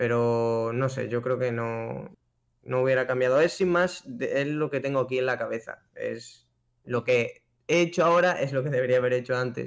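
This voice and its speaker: Against a quiet background, a man with a plain, everyday voice talks at a moderate pace in a medium pitch. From Spain. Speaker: professional esports player and YouTuber; YouTuber. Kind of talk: interview. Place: home room. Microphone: video call.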